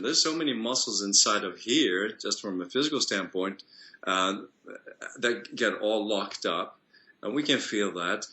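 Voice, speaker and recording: A male vocal coach talks earnestly in a long, flowing interview answer. His voice sits on the low side but rings bright and forward. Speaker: voice and singing coach.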